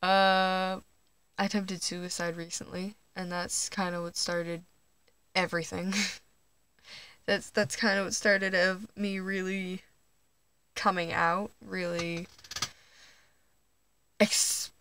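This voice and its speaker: Hesitant, soft-spoken teen trans guy. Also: sits high, little pitch movement, slow pace, pauses often, smooth, no echo. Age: teens. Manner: hesitant, with nervous laughs and restarts; hushed late-night talking. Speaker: vlogger. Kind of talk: casual personal vlog. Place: under a bed at home, indoors. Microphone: phone camera.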